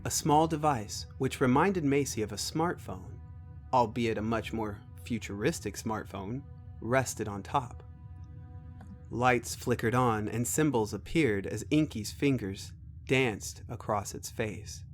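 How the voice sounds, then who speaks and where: A man's voice: medium pitch, takes it slowly, soft background music. A man narrating a scripted science fiction story.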